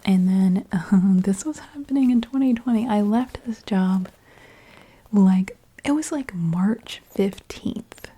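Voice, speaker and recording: Whispery woman, very soft and mellow. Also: mid-range voice. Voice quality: breathy, whispery. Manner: informal, halting, confiding. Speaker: ASMR video creator. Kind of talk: soft-spoken ASMR personal storytelling, mostly whispered.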